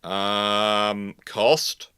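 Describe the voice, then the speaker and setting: A man with a bright, forward voice hosts an unscripted question-and-answer session. He sounds close and dry, and he often breaks off to correct and rephrase himself as he explains. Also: lowish voice, little pitch movement, clean tone, no room sound. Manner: halting, self-correcting, rephrasing mid-sentence. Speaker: host of a naval history live Q&A. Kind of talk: unscripted live discussion, answering viewer questions.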